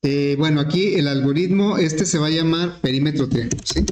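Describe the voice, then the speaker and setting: A male teacher explaining an algorithm step by step in a relaxed lesson, with frequent fillers. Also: a little high, fairly quick. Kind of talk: programming lesson. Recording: echoey classroom with faint noise.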